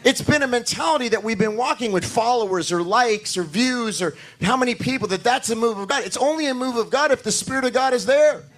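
Hoarse male pastor, high-pitched, repetitive and emphatic preaching style. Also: a little fast, hardly any pauses, a bit bright. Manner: talks to the congregation directly, asking for amens. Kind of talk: sermon.

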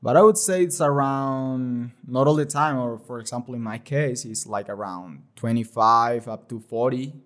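A man's voice: mid-range voice, normal speed, hardly any pauses. Colombian dude in his 20s, spanish native, chill podcast guest, lots of "you know". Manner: relaxed, loose non-native phrasing with many fillers. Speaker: guest, liquor store owner. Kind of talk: casual podcast chat.

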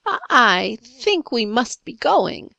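A woman voicing a timid, polite little girl in a storybook, hesitant and gently serious. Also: on the high side, very animated, slow, creaky, dry recording, voice pushed up, heavily acted. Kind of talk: storybook character voice.

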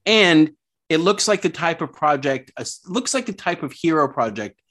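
A man co-hosting a podcast in casual chat, relaxed and rambling with lots of "like" and "you know". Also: on the high side, moderate pace. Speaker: podcast co-host.

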